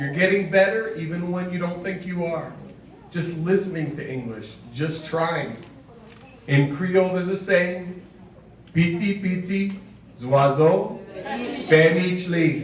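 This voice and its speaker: In a room with audible echo and noticeable background noise, a man with an American accent speaks high and fairly slowly, with long, frequent pauses and ordinary pitch variation. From Miami, Florida. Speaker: commencement speaker. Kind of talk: graduation speech.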